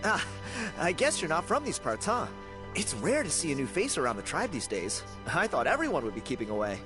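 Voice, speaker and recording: A serious tribal man leading a dance rehearsal in a video game. He speaks gravely and plainly, his voice set slightly high and rising and falling widely. Game music runs under him. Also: huge pitch swings, a little fast. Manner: grave, matter-of-fact.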